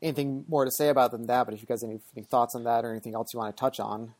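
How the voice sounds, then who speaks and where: A male podcast host speaks quickly and easily in a mid-range voice. He steers the conversation and invites his guests in. The sound is dry, with no room around it. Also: mid-range voice, fairly even intonation, a little mellow, dry recording. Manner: quick, easygoing, leads the talk and hands over to guests. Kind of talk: casual film discussion.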